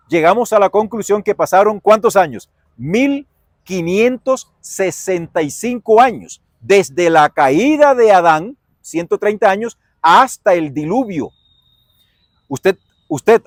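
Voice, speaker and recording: Brief: Colombian pastor, high voice, dry close mic, folksy Bible teacher. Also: male voice, no room sound. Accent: Colombian Spanish. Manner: folksy, animated, asks and answers his own questions. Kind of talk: Bible lesson, preaching.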